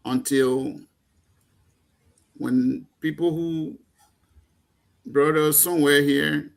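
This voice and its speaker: A man's voice: a little high, steady tone, extremely slow, creaky. A man with a Liberian accent, speaking as a panel guest in a heated political talk show, impassioned and emphatic with stumbling restarts.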